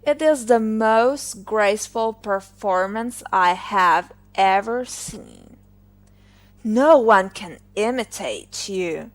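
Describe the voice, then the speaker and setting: A woman's voice: medium pitch, animated, slow. A woman voicing a boastful, flirtatious male shirt collar from a fairy tale, pompous and exclamatory. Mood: gushing, flirtatious. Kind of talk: fairy-tale storybook character reading.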